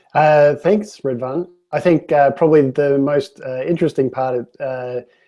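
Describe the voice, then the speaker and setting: A man with an Australian accent, fairly high-pitched, over background music. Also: ordinary pitch variation, moderate pace. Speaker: tech company CEO. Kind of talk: live webinar conversation.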